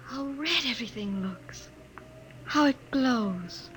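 An actress playing a young wife and survivor in a 1950s radio drama, earnest and dramatic, on a noisy old recording. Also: female voice, on the high side, lively intonation, takes it slowly, a bit bright. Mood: hushed, afraid. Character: young wife, fearful yet hopeful survivor from underground.

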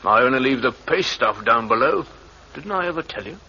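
An actor, a man, playing a kindly, shrewd old jeweller, husky and gentle, in an old radio drama. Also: medium pitch, animated, brisk, exaggerated voice. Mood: kindly, knowing. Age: older. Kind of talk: 1950s radio drama acting. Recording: dull old radio recording.

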